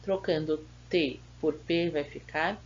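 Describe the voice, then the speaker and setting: A woman's voice: deep voice, fairly even intonation, slow, highs cut off, slight background noise. A woman teacher with a Brazilian Portuguese accent, patiently going over schoolbook exercises and sounding out words syllable by syllable.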